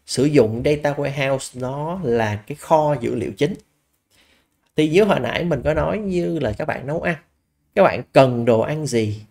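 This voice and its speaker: A man's voice: mid-range voice, a little mellow. A man lecturing over slides as a business analysis instructor, explaining step by step, asking rhetorical questions and using fillers along the way.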